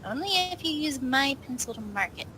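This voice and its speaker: High, bright, dryly skeptical woman. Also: animated, fairly quick, a little hiss or hum, low-quality recording. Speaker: roleplay player. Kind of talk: casual in-character tabletop chat.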